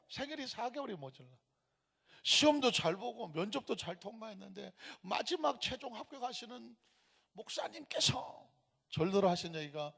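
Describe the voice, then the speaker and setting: A man in his fifties preaches emphatically in a church sanctuary, asking rhetorical questions and telling stories. His voice sits very high and swings widely. It has a husky, gravelly grain, and the sound trails off in a long church reverb. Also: a bit bright. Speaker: pastor. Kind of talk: sermon.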